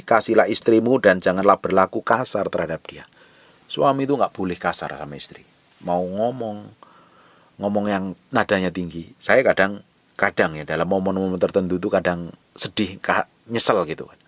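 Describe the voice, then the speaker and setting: Deep-voiced man preaching earnestly. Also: no room sound. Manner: earnest preaching, rising to emphatic peaks. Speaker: pastor. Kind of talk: sermon.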